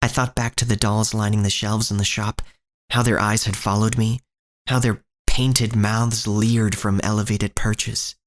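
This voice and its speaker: A man's voice: fairly low pitch, flat delivery, measured pace, lightly acted. A man playing a wary young street thief who tells his own story as scripted audio drama narration. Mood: uneasy. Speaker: narrator and lead actor. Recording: music bed under the voice.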